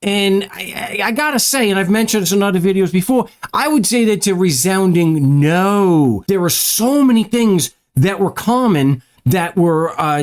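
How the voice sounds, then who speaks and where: A man with an American accent giving a casual, halting monologue as a video host, often rambling and repeating his words. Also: high voice. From North America.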